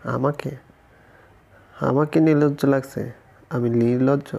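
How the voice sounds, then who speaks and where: A man reading the lines of a shy but feisty young woman in a romance audio story, with indignant, stammering retorts in a gravelly voice. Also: medium pitch, fairly even intonation, slow pace, mellow.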